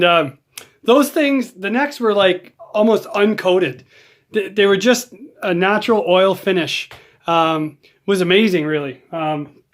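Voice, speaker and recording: A man talking casually in a relaxed, rambling way as he works on a guitar in his home workshop vlog. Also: high-pitched. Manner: rambling, easygoing, lots of fillers. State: hiccups. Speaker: guitar hobbyist vlogger.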